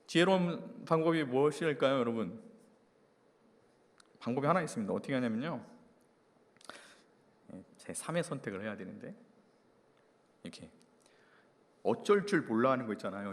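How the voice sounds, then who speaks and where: A man in his thirties preaches to a young adults' service with a lively, slightly high voice that rises and falls as he tells stories, asking the congregation question after question. His voice carries a long reverb, as if from the front of a church hall. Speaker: pastor. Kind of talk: sermon.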